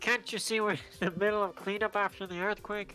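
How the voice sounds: A put-on character voice, nasal and fairly high-pitched, moves at a fairly quick pace. Clear music plays in the background.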